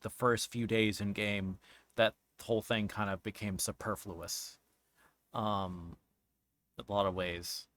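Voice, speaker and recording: A man giving casual, rambling commentary as a game streamer, halting and searching for words, often trailing off mid-thought. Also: lowish voice, fairly bright tone, dry recording. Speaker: streamer reviewing a visual novel game.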